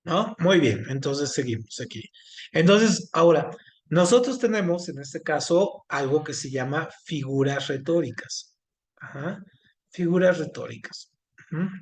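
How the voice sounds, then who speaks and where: A man teaching an online class, speaking haltingly with many fillers and restarts. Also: on the high side, expressive. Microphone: video call.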